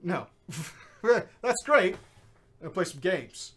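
A man hosting a comedic show, reading viewer stories aloud and bantering with a co-host, laughing often and jumping between loud bursts and quiet asides. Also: high-pitched, big pitch swings, slow pace, slightly rough.

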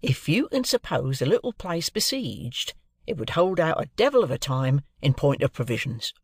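A man voicing a cheerful, proud middle-aged male clerk, talking brisk and earnest in a raised voice. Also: on the high side, big pitch swings, slightly rough, no room sound, clean studio sound, heavily acted.

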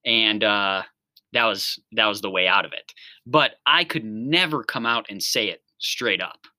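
A man in his mid-twenties co-hosting a podcast, easygoing and quick to laugh. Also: on the low side, bright, forceful tone, dry recording. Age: 20s. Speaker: podcast co-host. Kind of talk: casual chat.

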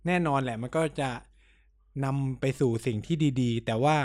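A man's voice: medium pitch, normal speed, no room sound, clean studio sound. A young man chatting casually and crudely with a friend, telling anecdotes and acting out the people in them. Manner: animated storyteller, acts out quoted voices.

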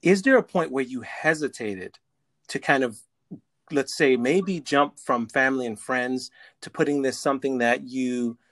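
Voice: mid-range voice, a little slow, a bit bright, dry recording. An interviewer who asks curious questions and often restarts before finishing them. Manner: curious, repeats openings before asking.

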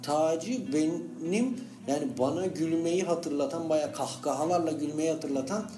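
A man with a slightly high voice banters casually as a podcast co-host. He is playful and teasing, talking in loose slang. The room echoes noticeably around him, with faint music underneath. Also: moderate pace. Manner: jokey, teasing, colloquial with slangy exclamations. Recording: roomy, echoing room sound.

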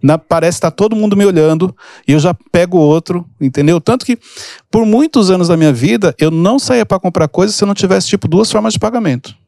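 A man's voice: sits high, quick pace, vocal fry, a little mellow, no echo, clean studio sound. A man hosting a podcast, explaining emotional triggers through casual stories and acting out the people in them. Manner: storytelling, acts out quoted people. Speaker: podcast host and mentor. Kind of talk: casual teaching chat.

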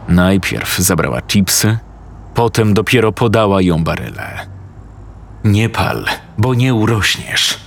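A man narrating a horror story in a measured first-person tone. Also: low voice.

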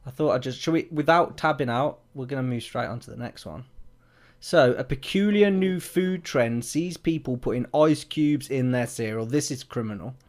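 A man's voice: mid-range voice, moderate pace, darkish tone. A man hosting a casual, rambling chat, joking as he reads out odd news stories. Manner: jokey, rambling, restarts sentences. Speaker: co-host.

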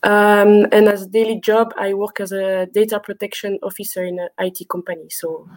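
A woman's voice: mid-range voice, level tone, normal speed, darkish tone. Belgian woman with a mid-range voice. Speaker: interview guest, field hockey umpire. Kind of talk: conversational interview answers.

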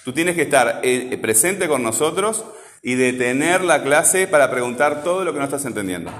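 A man's voice: medium pitch, lively intonation, normal speed, fairly bright tone. A man teaching a classroom lesson, asking the class patient questions and checking in with "¿tá?", wearing a face mask. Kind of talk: classroom lesson on word stress. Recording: echoey classroom with long reverb.

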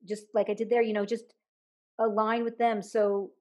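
A woman's voice: mid-range voice, flat delivery, normal speed, warm tone. A woman author, a guest on an interview show, telling anecdotes with laughter and repeating words as she thinks aloud. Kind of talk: storytelling interview talk.

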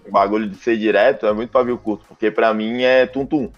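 A man's voice: fairly low pitch, fairly even intonation, a little fast, soft background music. A Brazilian man hosting a podcast in a slangy, laid-back casual chat. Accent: Brazilian Portuguese. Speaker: podcast host. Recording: dull lo-fi audio.

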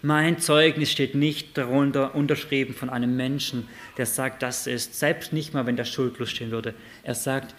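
Man, preacher, sermon, reads verses aloud, rhetorical questions, shifts loud to soft. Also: medium pitch, steady tone, moderate pace, hardly any pauses, a little hiss or hum. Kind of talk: sermon with Bible reading.

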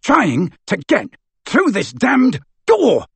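A man voicing a brutish, crude male henchman who bellows in rough, ungrammatical speech. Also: medium pitch, sing-song, a little slow, fairly bright tone, no echo, heavily acted. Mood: bullying.

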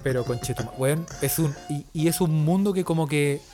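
A man's voice: a little high, moderate pace, mellow, faint music behind. A man from Chile with a Chilean accent, telling stories in a casual chat as a podcast co-host, full of slang and swearing and comically exasperated exaggeration.

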